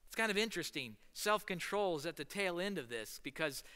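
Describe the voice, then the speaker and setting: A man's voice: high voice, fairly quick, smooth, big-room sound. A man in his thirties with a Midwestern American accent, a pastor preaching a casual, story-driven sermon from a stool on a church stage, gesturing as he talks. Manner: storytelling, animated with hand gestures, seated on a stool. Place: church stage in front of a large screen.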